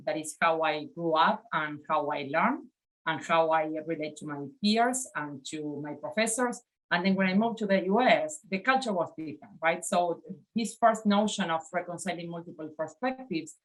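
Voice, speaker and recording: A woman's voice: on the low side, poor audio. A woman in her forties from Argentina with an Argentine Spanish accent, giving a reflective design lecture over slides and often checking in with "right?". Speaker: design educator. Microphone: webcam on video call.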